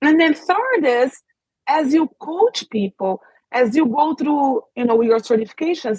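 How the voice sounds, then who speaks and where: A woman's lively intonation at a fairly slow pace. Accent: strong Brazilian. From Brazil (São Paulo). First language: Portuguese. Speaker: life and business coach. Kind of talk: podcast interview.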